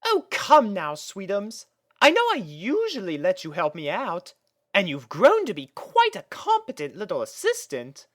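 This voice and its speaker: A woman's voice: medium pitch, huge pitch swings, unhurried. A woman voicing a refined, affectionate elder sister pony in a fan fiction audio drama, genteel and coaxing. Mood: fond, coaxing.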